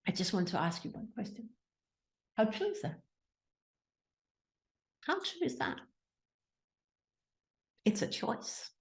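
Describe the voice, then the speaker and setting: A woman's voice: on the high side, echoey room. A woman from Denmark with a Danish accent, speaking as a mindset coach and host, putting many questions to her listeners. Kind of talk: motivational talk to listeners.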